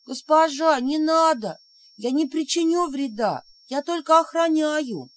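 A woman voicing a timid little male house spirit, squeaky and plaintive. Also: lively intonation, a little slow. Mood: pleading.

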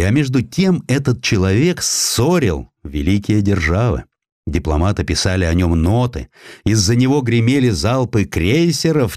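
A man narrating a historical sketch as an audiobook reader, in a theatrical, expressive storytelling manner. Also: on the low side, no room sound, studio quality.

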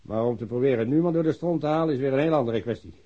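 An actor playing an older widowed policeman in a radio drama, lonely, curt and stubbornly loyal, with a husky voice. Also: mid-range voice, racing, warm tone, natural voice. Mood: defensive, indignant. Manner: curt, defensive, stonewalling. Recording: dull, muffled old radio recording.

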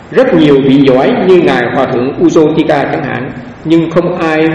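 A man, a Buddhist monk giving an animated storytelling Dharma talk and translating, who often repeats words as he searches for them. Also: a little high, dull audio. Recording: echoey hall, picked up from far off, faint background noise.

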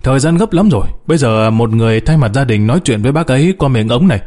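A man voicing a kindly man in charge of a rescue in a story, brisk and directing. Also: medium pitch, animated, a little mellow, lightly acted. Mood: urgent. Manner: urgent, directing.

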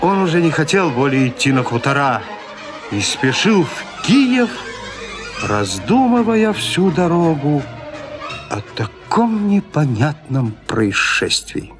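A man narrating a classic tale in a radio drama, telling it in an expressive, dramatic way. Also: on the high side, slow, music in the background.

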